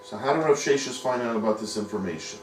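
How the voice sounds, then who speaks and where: A man's voice: on the low side, fast talker, slight background noise. A man teaching a Talmud study lesson, patiently explaining step by step and posing rhetorical questions. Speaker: yeshiva teacher. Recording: echoey room, mic at a distance.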